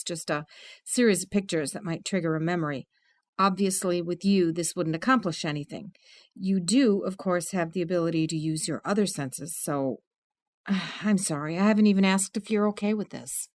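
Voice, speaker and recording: An actress playing a gentle psychiatrist who explains things warmly and rambles a bit. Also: female voice, on the low side, no room sound, lightly acted. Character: earnest female psychiatrist, gentle and chatty.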